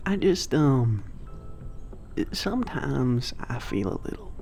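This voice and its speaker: A man's voice: medium pitch, big pitch swings, slow pace, creaky, darkish tone, soft background music, heavily acted. A man voicing a shy, friendly young giant who speaks with a drawl, rambles nervously with folksy slang, fillers and little laughs. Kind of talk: audio drama roleplay.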